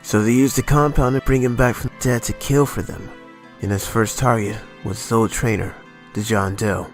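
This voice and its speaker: A man acting a concerned, quick-witted ally of a vigilante in a radio drama, informal and inquisitive. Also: medium pitch, steady tone, lightly acted. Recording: music under the voice.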